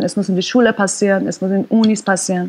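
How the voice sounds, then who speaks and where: The speaker is a woman with a medium pitch. Her intonation is fairly even. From Iran (Tehran). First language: Persian (speaking German). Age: 30s. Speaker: orchestra musician. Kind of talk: casual interview chat. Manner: halting.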